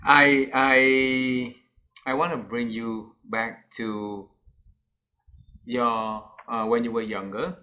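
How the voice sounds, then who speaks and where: A man's voice: medium pitch, flat delivery, very slow, pushed and bright. A man hosting an interview, asking questions in hesitant, non-native phrasing. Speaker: interview host.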